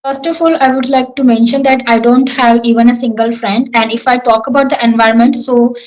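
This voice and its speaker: A woman's voice: on the high side, fairly even intonation, brisk, low-quality recording. A young woman from Rajasthan with an Indian accent, a Marwari speaker answering questions on an English practice call, with careful, rehearsed sentences and fillers. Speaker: English learner. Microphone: online call.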